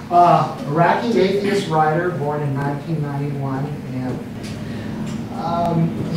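An older man stands at a podium and introduces the guest speaker, his voice set a little high. He halts often and fills the gaps with ums. The mic is far away, so the room echoes heavily and a hiss of noise runs underneath. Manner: halting, with many fillers. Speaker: meeting organizer. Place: meeting room with a seated audience.

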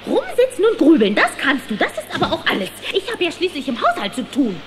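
A woman's voice: high voice, wildly swooping pitch, fairly quick, loud music behind the voice. A woman playing a bossy, practical worm wife in a children's audio drama, with a theatrical manner. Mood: scolding. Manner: scolding, dramatic.

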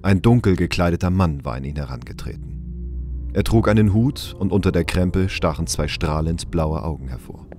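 Narrator for sci-fi radio play: deep male voice, measured scripted storytelling. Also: animated, a little mellow, soft background music. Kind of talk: scripted audio drama narration.

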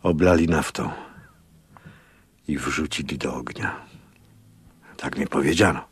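An actor playing a fervent, sorrowful Catholic priest in a radio drama, solemn and pleading in a husky, gravelly voice. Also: male voice, a bass voice, unhurried, no room sound, heavily acted. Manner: solemn, pleading, hushed at times.

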